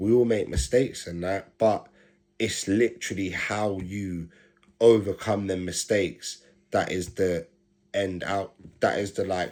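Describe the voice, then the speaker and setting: A man with a London accent speaks at a fairly slow pace and a fairly low pitch, his intonation fairly even. The recording is very clean, with a silent background. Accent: London Multicultural English. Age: 20s. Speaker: podcast host, father. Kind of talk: casual monologue. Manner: casual, filler-heavy with repetitions.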